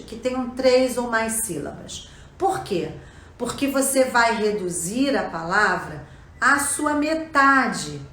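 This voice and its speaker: Slow, didactic Brazilian woman teacher. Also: fairly high pitch, fairly bright tone, slight background noise. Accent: Brazilian Portuguese. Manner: didactic, often checks in with the listener. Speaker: language teacher. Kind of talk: explanatory lesson. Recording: echoey room.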